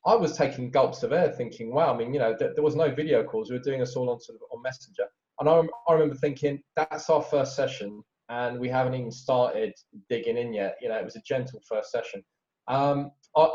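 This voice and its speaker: A man, a guest author, spins animated anecdotes in a relaxed interview. His voice is mellow and warm. The recording sounds a little dull and lo-fi. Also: mid-range voice. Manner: animated storyteller with lively anecdotes. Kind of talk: conversational interview.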